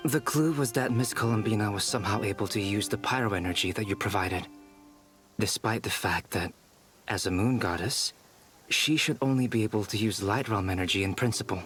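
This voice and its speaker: Man playing a low-voiced, precise scholarly researcher. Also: brisk, fairly bright tone, natural voice. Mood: absorbed, admiring. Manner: formal, precise, analytical. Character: earnest scholarly young man, meticulous inventor and researcher. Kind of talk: video game voice acting. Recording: game music behind the voice.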